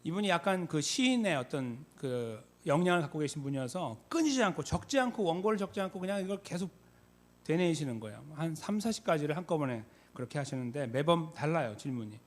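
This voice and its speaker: Korean pastor preaching in a slightly higher voice. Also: male voice, sing-song, fast. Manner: conversational, many fillers, reenacts shouted call-and-response. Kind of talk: sermon. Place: church sanctuary.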